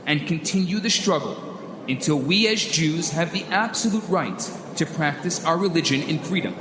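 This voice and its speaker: A man's voice: fairly high pitch, animated, moderate pace, echoey room, noisy background, close to an everyday voice. A man playing a resolute Jewish rebel leader giving an earnest, declamatory speech in a radio drama. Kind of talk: old-time radio drama reenactment speech.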